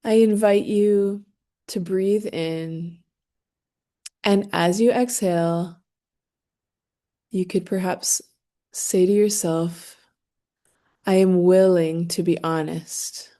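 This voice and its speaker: A woman leading a guided meditation, speaking gently and soothingly in short phrases with long, unhurried pauses. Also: fairly low pitch, fairly even intonation.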